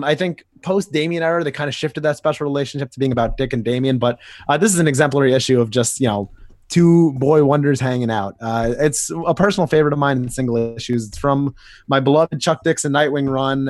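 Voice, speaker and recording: A man's voice: mid-range voice, fast, no echo, studio quality. A man co-hosting a podcast, talking enthusiastically in a casual, rambling way. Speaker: podcast co-host.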